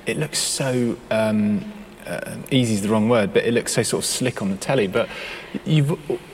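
A man interviewing a guest on stage, hesitant and halting as he frames his questions. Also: on the low side, slight background noise. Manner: hesitant, many fillers and restarts. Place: conference hall on stage. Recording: live hall reverb, faint ambience.

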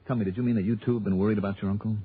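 A hardboiled, wisecracking investigator narrates quickly and dryly in a vintage radio drama. His voice sits a little low. The sound is thin and tinny, with music playing behind. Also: fairly even intonation, breathy edge. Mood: wry. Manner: dry, wisecracking, clipped. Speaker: narrator and lead detective. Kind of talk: 1960s radio drama acting.

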